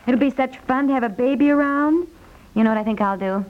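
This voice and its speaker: A woman's voice: high voice, a little fast, natural voice. A woman playing a talkative, fussing wife and mother in a naturalistic 1950s radio comedy style. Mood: tender, soothing. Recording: dull vintage 1950s radio recording.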